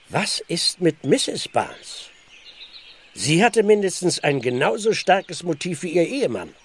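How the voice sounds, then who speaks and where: An actor playing an excitable, easily exasperated village police constable in a German audio drama. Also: male voice, mid-range voice, gravelly, husky, exaggerated voice. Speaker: actor in a radio play.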